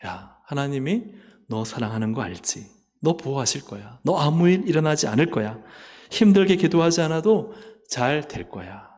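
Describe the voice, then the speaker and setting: A man voicing a tempting male devil, speaking in a soft, soothing, reassuring murmur. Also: high-pitched, quick pace, creaky, hardly any pauses. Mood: coaxing. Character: coaxing male devil lulling believers to complacency.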